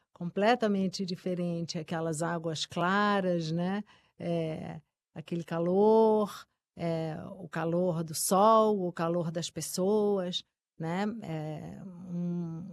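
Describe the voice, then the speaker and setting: A woman from Uruguay whose first language is Spanish speaks slowly, hesitating often and filling gaps with little tags. Her voice sits fairly low. The sound is dry and close. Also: darkish tone, dry recording. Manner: slow, hesitant, many fillers like "né" and "eh". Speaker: guest author and psychoanalyst. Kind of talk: conversational interview.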